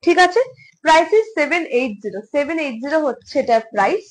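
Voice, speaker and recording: A woman with a high voice talks through a casual home showcase of jewellery pieces. She is chatty, repeats her phrases and slips English words into her speech. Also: animated, fast, poor audio. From India. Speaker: jewellery seller. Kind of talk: casual live product showcase.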